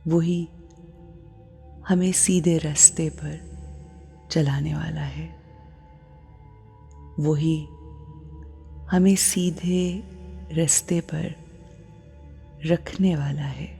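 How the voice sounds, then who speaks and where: A woman guiding a spiritual meditation in a calm, deliberate manner, with short phrases, long pauses and soft, breathy phrase endings. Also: low-pitched. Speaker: guided meditation teacher. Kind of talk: slow spoken guided meditation with spiritual reflections. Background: meditation music.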